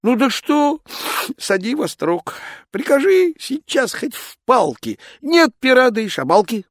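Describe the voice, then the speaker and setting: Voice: sing-song, measured pace, no echo, studio quality, exaggerated voice. A reader doing a scared, pleading peasant lad. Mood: protesting. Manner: high, pleading and protesting. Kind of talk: storybook verse reading.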